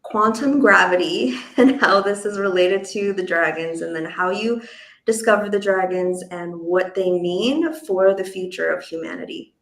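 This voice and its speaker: A woman's voice: fairly low pitch, moderate pace. Woman interviewer in an echoey room. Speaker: interviewer, event host. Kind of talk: conversational interview questioning. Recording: roomy, echoing sound.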